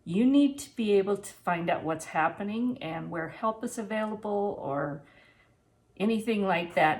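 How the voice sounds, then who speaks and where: There's a noisy background as a woman in her sixties, with a mid-range voice, talks to the camera in her home kitchen. She's a plain-spoken, practical vlogger sharing preparedness advice and a product review in a casual way.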